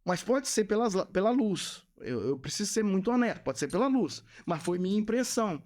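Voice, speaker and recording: Earnest man with a higher voice. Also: expressive, a little fast, a little mellow. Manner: earnest storyteller who repeats phrases for emphasis. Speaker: guest, Catholic missionary. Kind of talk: spoken testimony in a podcast.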